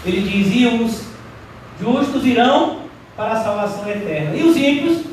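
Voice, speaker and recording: High-voiced man preaching in an echoey church. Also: normal speed, slight background noise. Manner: animated preaching, acting out voices of doubters. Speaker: pastor. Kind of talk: sermon. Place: church hall. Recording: echoey hall, heard from a distance.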